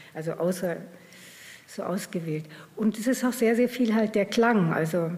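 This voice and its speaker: A woman's medium-pitched, plain, everyday voice at a moderate pace. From East Germany. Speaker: theatre director. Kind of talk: casual chat.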